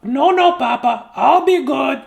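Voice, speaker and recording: A man voicing an eager little girl chicken from a bedtime storybook, childlike, excitable and pleading. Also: very high voice, measured pace, vocal fry, highs cut off, pitched above the performer's own voice, full character voice.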